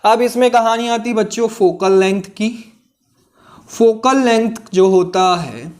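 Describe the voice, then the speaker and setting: A man's voice: high voice, slow, darkish tone. A man teaching a physics lesson in Hindi mixed with English, explaining step by step, repeating key phrases and often asking students if they follow. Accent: Indian English terms mixed into Hindi. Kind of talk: classroom lesson.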